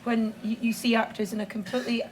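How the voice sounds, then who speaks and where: A woman's voice: a little high, little pitch movement, fast talker. Woman interviewer, playful and teasing, on stage before a live audience, noisy room. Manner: playful, laughs often, teasing questions. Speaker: interviewer at a live film event. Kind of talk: event interview with audience questions.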